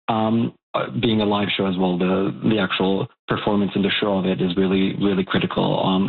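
A man from Bosnia and Herzegovina, a young adult, speaking as a guest expert in a radio interview, thoughtful with many fillers and restarts. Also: lowish voice. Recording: tinny phone line.

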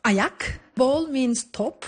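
A woman from Turkey, bubbly and animated in an interview, recorded at a distance from the mic. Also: high-pitched, drawn-out words, background noise. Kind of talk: street interview.

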